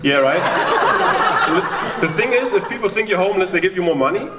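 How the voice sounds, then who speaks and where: A young German stand-up comedian with a German accent performs a chatty, self-mocking set and banters with the crowd at a small live venue. His high voice is animated at a moderate pace, recorded from a distance with a roomy sound and heavy background noise.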